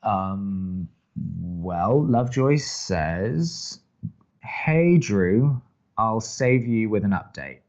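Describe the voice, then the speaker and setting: A man acting as a young college radio co-host, dry, skeptical and sarcastic, with halting delivery in an audio drama. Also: lowish voice, lively intonation, darkish tone, lo-fi sound, faint music behind, heavily acted. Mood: awkward, flustered. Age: young adult. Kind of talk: naturalistic audio drama banter.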